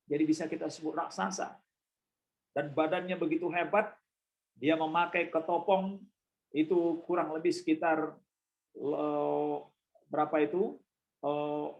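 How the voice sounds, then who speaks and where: A man's voice: a little high, low-quality recording. A male pastor preaching a sermon in church, emphatic and repetitive, addressing the congregation directly.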